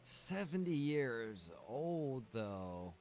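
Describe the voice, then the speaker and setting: A man's voice: medium pitch, sing-song, extremely slow, darkish tone, slight background noise. A man streaming a game live, chatting casually with his viewers and reacting as he plays. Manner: chatty, talks to chat and game characters. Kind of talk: casual live-stream chat while playing.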